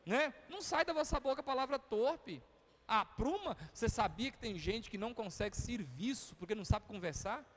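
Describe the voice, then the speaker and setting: High-voiced Brazilian pastor telling stories. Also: male voice, expressive, moderate pace, fairly bright tone. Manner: chatty, humorous storytelling. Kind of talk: sermon with storytelling. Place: church. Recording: reverberant church hall.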